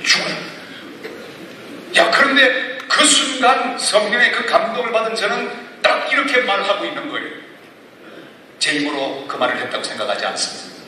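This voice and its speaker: Bright-voiced male pastor in an echoing hall. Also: sits high, fairly quick, a little hiss or hum. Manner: animated, with sudden excited bursts and laughter. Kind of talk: storytelling sermon. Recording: echoey hall, mic heard from a distance.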